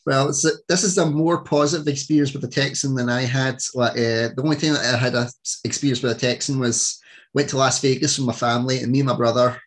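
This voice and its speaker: A man's voice: mid-range voice, steady tone, fast talker. A man hosting a casual interview podcast, joking and rambling as he talks with his guest over a call. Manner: jokey, rambling, laughs often. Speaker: podcast host.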